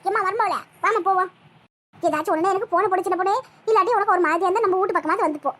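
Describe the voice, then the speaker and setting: A woman's voice: very high voice, rapid-fire, fairly bright tone. A woman voicing a chatty, meddling but caring middle-aged village aunty in a cartoon, scolding and advising in a Tirunelveli Tamil accent. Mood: coaxing. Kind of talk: cartoon voice acting.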